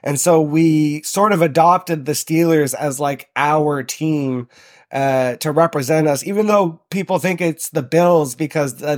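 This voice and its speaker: Guy on a podcast, slightly high voice, laid back, lots of ums. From Southern Ontario, Canada. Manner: relaxed storyteller with frequent ums and uhs. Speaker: podcast guest. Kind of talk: casual interview chat.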